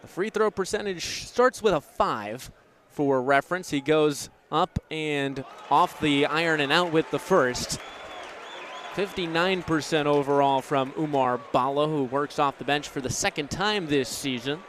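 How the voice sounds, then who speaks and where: A man's voice: a little high, a little slow, a bit bright. A man in his twenties calling live basketball play-by-play. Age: 20s. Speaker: play-by-play announcer. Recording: faint crowd and gym noise behind. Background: basketball game crowd.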